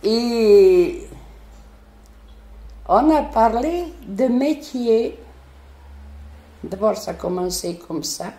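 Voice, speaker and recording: Gravelly-voiced woman telling a story, slow. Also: a little high. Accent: foreign accent. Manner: animated, hesitant storytelling with restarts. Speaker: interviewee, neighbourhood resident. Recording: roomy echo.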